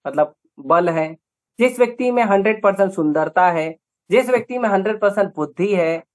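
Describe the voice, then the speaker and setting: A man's voice: high-pitched, animated, normal speed. A man with an Indian accent giving a scripture lecture, emphatic, with rhetorical questions and repeated lists. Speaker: preacher.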